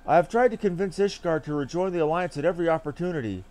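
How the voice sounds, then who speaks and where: Man acting out an earnest young nobleman, high-pitched, declamatory. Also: fast talker, darkish tone, soft background music, natural voice. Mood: impassioned. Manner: declamatory, archaic formal diction. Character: earnest, idealistic young nobleman and diplomat, self-assured, formal. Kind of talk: theatrical read-aloud of fantasy game dialogue.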